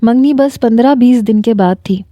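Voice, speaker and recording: A woman with a Pakistani Urdu accent tells a first-person love story in an even storytelling voice. Her tone is deep and mellow, with no brightness. The recording is dry and close, with no room sound. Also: no echo, muffled recording. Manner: reads a first-person romance, voicing a young man and his fiancée in the same voice. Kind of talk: scripted narration.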